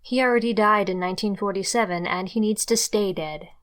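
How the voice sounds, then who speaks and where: A woman plays a cool, firm woman in an audio drama. Her mid-pitched voice is measured and blunt, with little sentiment. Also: fairly bright tone, close to an everyday voice.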